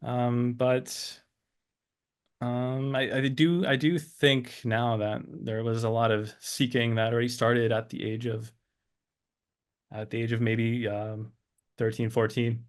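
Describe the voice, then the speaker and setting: A man's voice: medium pitch, level tone, slow, smooth. A man in his thirties from Switzerland and the United States, reflecting on personal experience as an interview guest, often searching for words.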